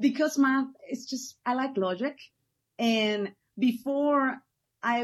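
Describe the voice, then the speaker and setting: Her accent is Spanish. This woman's pitch shifts in an ordinary way. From northern Ecuador. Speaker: open source community manager. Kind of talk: casual chat.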